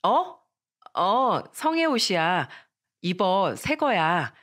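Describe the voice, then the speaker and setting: A woman voicing a poor, gentle mother who speaks softly and apologetically, in a radio drama reading. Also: medium pitch, big pitch swings, very slow, heavily acted. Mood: evasive.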